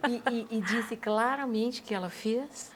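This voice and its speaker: A woman with a Brazilian Portuguese accent hosting a talk show, asking a guest gentle, probing questions. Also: fairly high pitch, a little slow, a crowd in the background. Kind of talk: interviewing.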